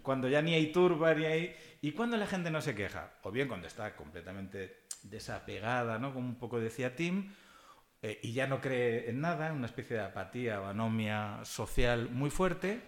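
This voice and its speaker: A man from Catalonia speaks as a panelist in a relaxed but thoughtful discussion. He talks in a lively, discursive way. He checks in with short tag questions and lets out small chuckles as he builds his points. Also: medium pitch, normal speed. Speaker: panelist at a book presentation. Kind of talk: conversational academic discussion.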